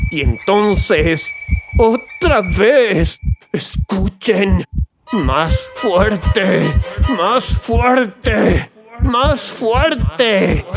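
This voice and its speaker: Crazed murderer confessing, high-pitched. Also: male voice, exaggerated voice. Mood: anguished, raving. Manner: theatrical, agitated, drawn-out emphatic delivery. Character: crazed, tormented male murderer confessing his crime. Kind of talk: dramatized first-person horror audiobook narration. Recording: music behind the voice.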